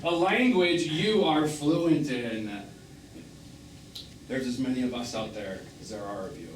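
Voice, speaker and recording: A man's voice: mid-range voice, unhurried, natural voice. An actor playing a sarcastic, wounded middle-aged gay man in a live stage drama, cutting and emphatic. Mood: bitter sarcasm. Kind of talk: live one-act stage drama acting. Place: small theatre stage, recorded from afar. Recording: distant noisy roomy theatre stage recording.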